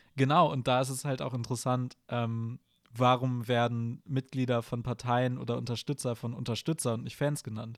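In a very clean recording with a silent background and a dry, close sound with no echo, the voice moves at a moderate pace with monotone, flat intonation. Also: man, medium pitch for a man. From Germany. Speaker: podcast host. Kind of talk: casual chat.

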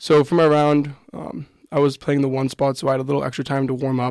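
This man's pitch is fairly high, with fairly even intonation. The recording is very clean, with a silent background. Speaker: college golfer. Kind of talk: interview.

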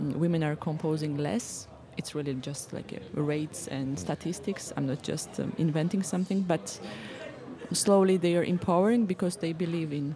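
Noticeable background noise sits behind a woman with a very deep, low pitch. She speaks at a fairly slow pace with lively intonation. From Georgia. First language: Georgian (speaking French). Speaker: electronic musician. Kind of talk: interview.

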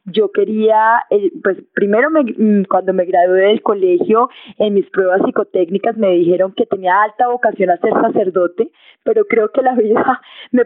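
A woman talks at a fairly slow pace, with a fairly high pitch and ordinary pitch variation. Hers is an unremarkable speaking voice. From Colombia, Medellín (Antioquia). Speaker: wellness speaker and writer, former TV presenter. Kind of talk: interview conversation. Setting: remote call.

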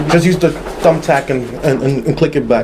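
A man speaks with a New York accent at a fairly high pitch. His pitch varies in an ordinary way over noticeable background noise. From New York City, Haitian family. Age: 30s. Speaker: show host. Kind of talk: casual panel discussion. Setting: studio. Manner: animated.

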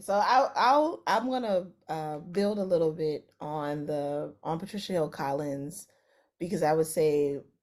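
A woman's unremarkable speaking voice with an American accent, fairly low-pitched, with lively intonation at a moderate pace. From rural US South. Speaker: research center director. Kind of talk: panel discussion. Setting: video call.

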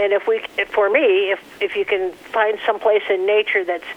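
Against noticeable background noise, a woman with an American accent speaks at medium pitch and a moderate pace with fairly even intonation. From US Midwest, Michigan. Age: 70s. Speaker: nun and retired teacher. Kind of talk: interview, personal testimony. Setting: phone call, sitting on her bed.

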